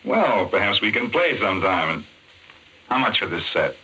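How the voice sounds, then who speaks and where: An actor playing a polite, well-spoken doctor in an old-time radio drama. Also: male voice, on the low side, sing-song, normal speed, bright, forceful tone, breathy edge, full character voice, rough recording. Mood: polite, curious. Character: polite male doctor drawn into a deadly game.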